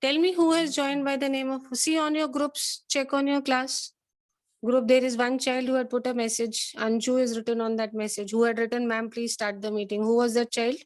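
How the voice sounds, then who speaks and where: High-voiced South Asian woman, stern teacher. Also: level tone, moderate pace, no echo. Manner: stern, insistent questioning. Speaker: schoolteacher. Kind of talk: online class talk to pupils.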